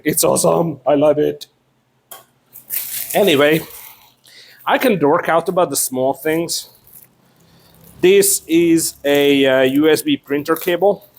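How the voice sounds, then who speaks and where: Slow-paced, jokey male vlogger. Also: fairly high pitch, husky. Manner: jokey, sweary, playful asides. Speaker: vlogger unboxing a product. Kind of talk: casual unscripted chat.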